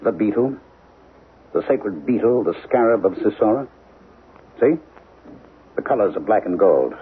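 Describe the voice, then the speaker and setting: A man's voice: on the low side, animated, a little hiss or hum. An actor playing an obsessed, agitated man in a 1970s radio drama, speaking insistently and intensely. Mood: urgent, secretive. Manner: insistent, intense, halting when preoccupied. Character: obsessed, agitated man convinced of an alien menace. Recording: thin, muffled 1970s radio broadcast.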